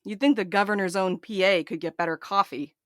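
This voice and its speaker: An actress as a sardonic night courier in an audio drama, tired and blunt. She speaks in deadpan sarcasm, with a very dry, close sound. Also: medium pitch, brisk, no echo, close to an everyday voice. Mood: dry, weary. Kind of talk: scripted audio drama dialogue.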